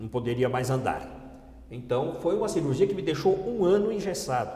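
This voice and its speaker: With noticeable background noise and audible room echo, a man talks fairly slowly, his pitch swinging very widely. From Brazil, São Paulo city. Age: 60s. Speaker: radio journalist. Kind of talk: interview testimony. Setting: at home.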